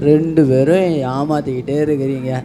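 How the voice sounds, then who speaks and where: A man's voice: on the high side, steady tone, brisk, lightly acted. A stern but fair office boss, played by a man speaks firmly in a slightly raised voice, with music behind him. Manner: firm, then teaching the children. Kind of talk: puppet show acting.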